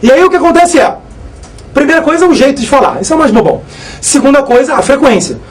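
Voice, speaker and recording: Fast-talking physics teacher. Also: male voice, very high-pitched, rough recording. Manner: energetic, repetitive, joking. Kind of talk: live exam-prep lesson.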